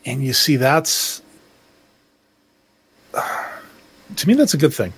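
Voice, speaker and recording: Husky-voiced man in rambling discussion. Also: medium pitch, big pitch swings, takes it slowly, fairly bright tone. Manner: rambling, reflective, restarts often. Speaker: podcast co-host. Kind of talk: casual discussion.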